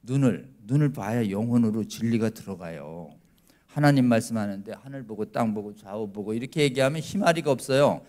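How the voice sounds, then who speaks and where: A middle-aged man, a lawyer, giving a church lecture who keeps asking the congregation questions and acting out quoted voices, swinging between loud and quiet. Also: fairly low pitch, expressive, a little fast. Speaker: lawyer speaking at a church prayer meeting.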